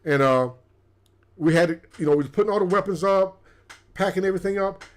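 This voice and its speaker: A male co-host of a casual livestream tells stories in a chatty way, repeating words a lot. His voice is high and fairly quick.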